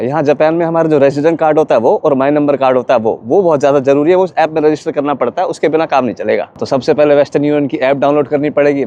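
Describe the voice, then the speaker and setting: A man's voice: medium pitch, dark tone, muffled recording. A man from Haryana with a Haryanvi accent, telling stories in a casual, joking vlog and chuckling as he goes. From Haryana, India. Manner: chatty and joking, laughs between lines. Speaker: vlogger.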